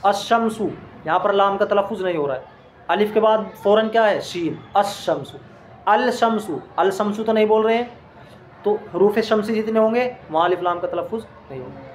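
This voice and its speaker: A man's voice: high-pitched, brisk, a little hiss or hum. A man teaching an Arabic grammar lesson in speech, explaining step by step and quizzing his listeners with questions.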